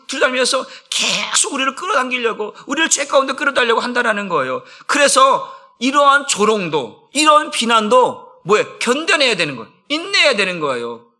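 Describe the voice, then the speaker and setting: A man's voice: very high-pitched, sharp tone. A middle-aged man, a senior pastor, giving an emphatic dawn prayer sermon and acting out friends' taunts in casual speech.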